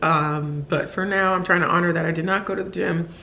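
A woman in her thirties talking casually to the camera in her kitchen, sounding drained and low on energy, rambling with fillers. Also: steady tone, brisk, creaky, pushed and bright, highs cut off, slight background noise. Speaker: vlogger. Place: home kitchen, indoors.

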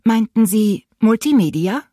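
Relentlessly cheerful automated hotline voice in an audiobook, put on by a woman narrator, slow and precise. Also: mid-range voice, animated, dark tone, no room sound, studio quality, pitched above the performer's own voice. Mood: politely robotic. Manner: polite, measured, unflappable. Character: relentlessly friendly female automated phone voice.

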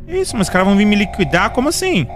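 A young Brazilian man streams a horror game and gives let's play commentary. His voice runs high, and he calls out to his chat with excitable, panicky exclamations. Faint music plays under his voice. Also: racing. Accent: Brazilian Portuguese. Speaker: gaming streamer.

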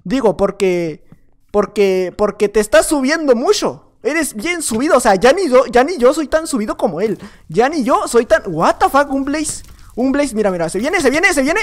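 A young man giving excitable gameplay commentary at home, chatting nonstop, repeating words and breaking into shouts. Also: very high-pitched. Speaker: gaming YouTuber. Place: at home at night.

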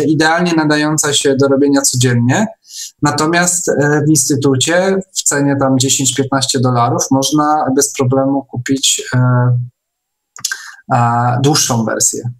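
A man's voice: mid-range voice, low-quality recording. A man hosting an online meeting, talking casually and unscripted with frequent hesitations.

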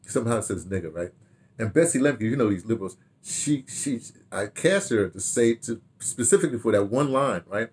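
An older man telling stories casually to camera in an animated, rambling way, repeating himself and trailing into asides. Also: medium pitch, a little fast, slight background noise. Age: older, 60s or 70s. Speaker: radio drama director reminiscing. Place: small home study, indoors.

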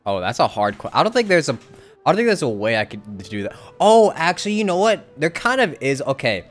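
A man doing casual live-stream commentary over a game, talking in a rambling, halting, conversational way. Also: fairly high pitch, sing-song, faint music behind.

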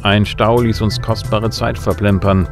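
A man's voice: fairly low pitch, fairly even intonation, measured pace, over music. An actor playing a cocky, wry bounty hunter who narrates his case in a laconic, flippant audio drama style. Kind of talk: hard-boiled first-person audio drama narration.

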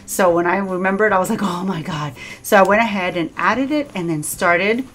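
A woman's voice: mid-range voice, normal speed, a bit bright, slight background noise. A woman with a Cuban accent, talking casually through a home cooking vlog, chatty and self-deprecating and laughing often. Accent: Cuban Spanish. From Cuba. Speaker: cooking vlogger. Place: home kitchen.

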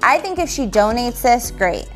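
A woman's voice: on the high side, sing-song, moderate pace, fairly bright tone, faint music behind. Chatty woman co-hosting reaction videos. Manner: chatty and giggly. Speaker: co-host. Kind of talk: casual reaction commentary. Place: salon with product shelves, indoors.

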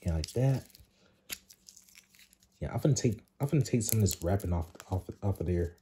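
A man hosting a casual unboxing vlog, talking haltingly with many repeated words and fillers. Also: low voice, lively intonation, warm tone, slight background noise. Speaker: vlogger.

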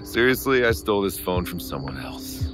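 An actor playing a cocky, smooth-talking armed robber in an audio drama, taunting his victims. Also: sits low, very animated, normal speed. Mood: smug. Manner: taunting, swinging from casual to shouting. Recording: loud music bed behind.

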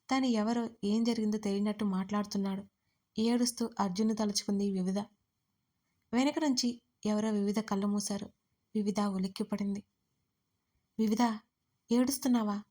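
Woman reading a love story out loud, expressive, medium pitch. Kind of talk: audio story narration.

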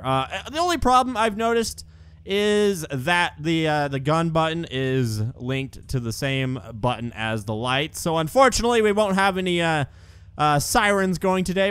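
A young man giving casual gameplay commentary, excitable and laughing, bursting into shouts at the action, with the hiccups. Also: on the high side, clean tone, no room sound. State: has the hiccups. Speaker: gaming YouTuber.

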